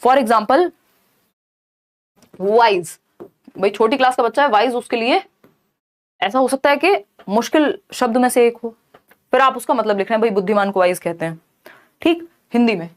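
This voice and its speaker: High-voiced teacher explaining exam questions. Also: female voice. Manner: explains in Hindi, reads English questions slowly. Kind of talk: online exam-prep lesson.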